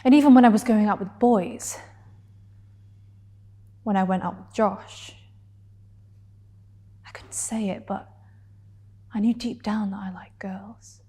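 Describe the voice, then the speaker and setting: Student actress doing a hurt defiant gay woman, dramatic stage monologue, lots of long pauses, normal pitch. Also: dark tone, husky. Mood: firm, defiant. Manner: deliberate, with heavy pauses.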